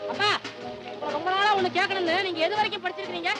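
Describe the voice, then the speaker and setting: An actor playing a brash, cheeky young wannabe film director, talking in high-pitched, rapid comic patter in a 1960s film comedy. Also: male voice, steady tone, loud music behind the voice. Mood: bossy teasing.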